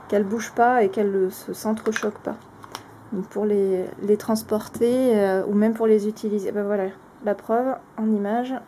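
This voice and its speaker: A woman with a mellow, warm tone talks through craft supplies she has tested, sounding casual and unscripted. She hesitates often, filling pauses and restarting sentences, yet gives her opinions bluntly. There is a faint hiss behind her voice. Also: medium pitch. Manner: frank, plainly spoken opinions. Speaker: crafting vlogger reviewing products. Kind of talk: casual product review, showing items to camera.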